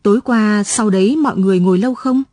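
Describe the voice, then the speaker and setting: A woman reading a brisk young village teacher. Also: mid-range voice, warm tone, no echo, clean studio sound, natural voice.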